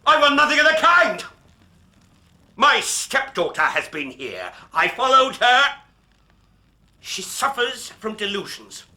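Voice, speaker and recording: A man's voice: very high-pitched, very animated, slow pace, pauses often, bright, forceful tone, heavily acted. An actor playing a huge, menacing older stepfather who bellows in a rage-choked voice. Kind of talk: radio drama acting.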